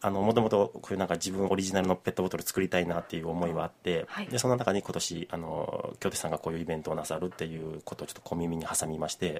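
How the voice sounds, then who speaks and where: Talking at a very fast pace, a man with a very deep, low pitch keeps his intonation fairly even. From Nagoya, Japan. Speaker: tea farmer and company head. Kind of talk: radio interview.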